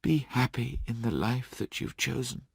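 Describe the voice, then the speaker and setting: A man voicing a sorrowful young woman who speaks softly and sadly. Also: mid-range voice, creaky, husky, no room sound, studio quality, voice pushed up. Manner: soft, sad, measured speech.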